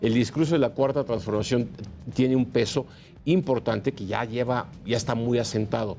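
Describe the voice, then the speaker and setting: A man speaking as a guest on a political panel, halting and full of fillers. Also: medium pitch, steady tone, vocal fry, darkish tone, faint music behind. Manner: hesitant, many fillers.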